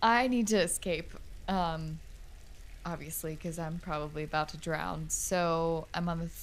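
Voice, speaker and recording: A woman's voice: low-pitched, steady tone, unhurried. A young woman playing a tabletop role-playing game, chatting casually as she improvises her moves. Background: music.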